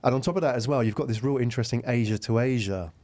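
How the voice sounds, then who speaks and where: A man's voice: medium pitch, rapid-fire, a little mellow, no room sound. A man hosting a conversational business interview in a studio, explaining at length and often checking in with tag questions. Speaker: host interviewer.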